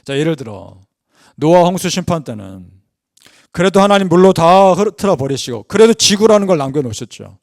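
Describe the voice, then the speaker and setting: Male pastor, dawn prayer sermon; earnest, swells on key points, drops low at line ends; slightly higher voice, dry close mic. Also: big pitch swings, a little fast, vocal fry, a little mellow, no echo. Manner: earnest preaching, rising with emphasis then dropping low; leads congregation in scripture reading. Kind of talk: early-morning prayer sermon.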